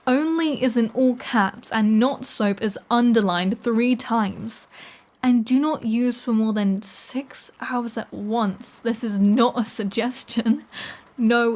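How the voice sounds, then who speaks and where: A woman acts out a playful, dangerous vampire woman in an intimate ASMR audio drama. Her voice sits a little high and she speaks very unhurriedly. She is flirty and sardonic, teasing her listener with an undercurrent of threat. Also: slow, darkish tone. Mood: mocking, amused. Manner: teasing, sardonic, lingering delivery. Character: flirty, playful, threatening adult female vampire toying with a hunter. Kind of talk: scripted ASMR audio roleplay, one-sided conversation.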